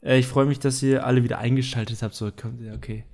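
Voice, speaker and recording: A young man co-hosts a laid-back podcast. He drifts from point to point and fills the gaps with filler words. His voice sits at an ordinary middle pitch. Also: quick pace. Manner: relaxed, rambling with many fillers. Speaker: podcast co-host. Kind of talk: casual podcast chat.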